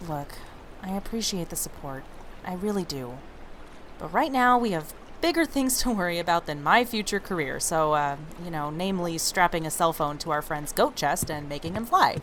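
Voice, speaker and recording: A woman's voice: on the low side, lively intonation, normal speed, fairly bright tone. Feisty, sassy young woman, faint background noise. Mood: self-deprecating, frank. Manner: sassy, casual. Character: feisty, blunt, protective young woman, best friend. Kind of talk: audio drama acting.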